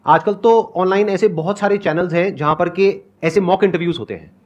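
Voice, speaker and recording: A man's voice: high voice, brisk, highs cut off. A man hosting a live event, chatting and explaining in a loose, self-mocking way. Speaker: host.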